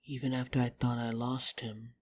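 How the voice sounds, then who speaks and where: A woman playing a wounded, earnest vampire in an audio drama, speaking sincerely and haltingly over background noise. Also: a bass voice, little pitch movement, darkish tone. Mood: wounded, reflective. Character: earnest, wounded female vampire on trial, in love. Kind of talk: dramatic audio roleplay acting.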